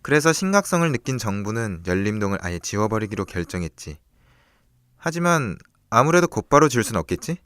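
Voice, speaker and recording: Man playing a low-voiced brooding young student. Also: sing-song, brisk, fairly bright tone, clean tone, no room sound, studio quality. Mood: calm, explaining. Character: brooding, secretive young male student, an observant older classmate. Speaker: voice actor in a student radio drama. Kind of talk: Korean radio drama dialogue and first-person narration.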